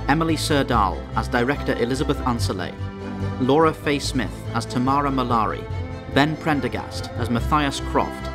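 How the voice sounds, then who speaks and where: A man's voice: mid-range voice, normal speed. Male drama announcer over music. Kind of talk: scripted title and cast announcement.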